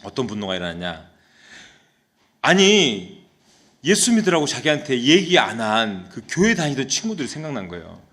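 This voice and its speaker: A man preaching from the pulpit of a church during a live service, his pitch swinging high and low as he tells a story. He keeps turning to the congregation with quick questions, and his voice sits in a middle register. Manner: lively storytelling, often asks the congregation questions. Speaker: senior pastor. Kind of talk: sermon.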